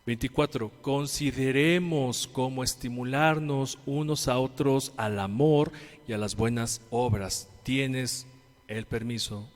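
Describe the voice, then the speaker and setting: Mexican male pastor, mid-range voice, preaches with questions, loud then hushed, long church reverb. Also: takes it slowly. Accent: Mexican Spanish. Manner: preaching with rhetorical questions and call-and-response; swings between loud emphatic lines and quiet low ones. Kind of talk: sermon.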